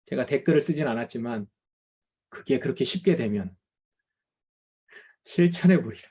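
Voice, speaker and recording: A man's voice: medium pitch, brisk, darkish tone, slightly rough. A middle-aged male pastor preaching to parents in a conversational lecture style, acting out the complaints of tired parents.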